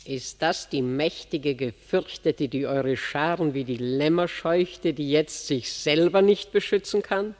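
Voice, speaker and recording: Casting: commanding, mocking older queen for a radio classic, measured and stately, ringing in a big hall. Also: deep voice, a little mellow. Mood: mocking, incredulous. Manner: imperious, mocking, declamatory. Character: haughty scornful enemy queen, commanding older mother. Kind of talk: classic German radio drama acting. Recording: long reverberant hall.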